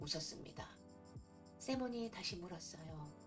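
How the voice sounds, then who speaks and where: The voice has a warm tone and lively intonation at a moderate pace. Music plays in the background. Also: woman. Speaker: storyteller. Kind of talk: storytelling for seniors. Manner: warm, friendly.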